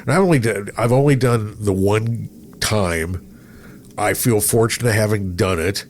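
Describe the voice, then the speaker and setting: A middle-aged man with a low voice speaks as a podcast host in casual conversation. He tells stories by acting out his own thoughts. Some background noise sits behind him. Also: unhurried. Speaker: podcast host, former radio programmer.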